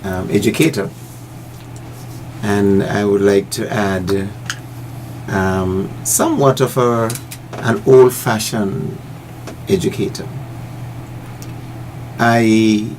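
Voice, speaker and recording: A man, a career educator, answering slowly and deliberately with a proud tone. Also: fairly low pitch, darkish tone, a little hiss or hum, poor audio. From Saint Kitts and Nevis. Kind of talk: interview answer.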